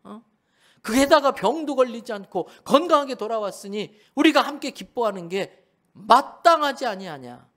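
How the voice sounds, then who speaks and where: A man voicing a gentle older father who coaxes his angry son in a soft, slow manner. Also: very high voice, animated, voice pushed up. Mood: tender pleading.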